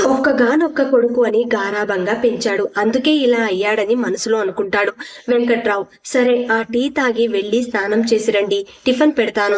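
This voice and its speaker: A woman telling a scripted family story, reading every character's lines in her own voice. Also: on the high side.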